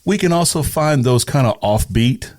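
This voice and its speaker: A man's voice: mid-range voice, expressive, normal speed, darkish tone. A middle-aged or older man from East Texas, a radio personality answering casually as a guest in hesitant, thoughtful phrases. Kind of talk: casual interview chat.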